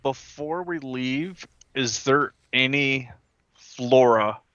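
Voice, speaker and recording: A man's voice: mid-range voice, slow, a bit bright, dry recording, dull audio. A man chatting casually as a player in a tabletop game.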